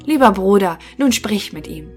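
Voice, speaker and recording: A woman's voice: mid-range voice, animated, normal speed, darkish tone, faint music behind, natural voice. A woman voicing a confident young male turner who speaks with firm emphasis, in a storybook reading. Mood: proud.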